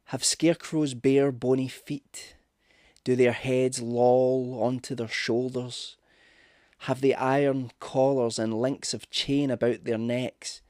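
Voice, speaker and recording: A man reading a scripted ghost story as narrator, with measured, dramatic delivery. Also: medium pitch, darkish tone, no room sound, clean studio sound. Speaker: audiobook narrator.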